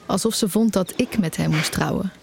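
An actress playing a nearly blind, self-reliant young student in an audio drama. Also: female voice, mid-range voice, normal speed, vocal fry, darkish tone, lightly acted. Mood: reflective. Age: young adult. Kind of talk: audio drama acting with narration.

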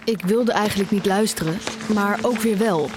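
An actress playing an anxious, restless young music student in an audio drama, narrating in terse, introspective fragments. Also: female voice, mid-range voice, moderate pace, background noise, natural voice. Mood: uneasy, introspective. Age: young adult. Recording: music behind the voice.

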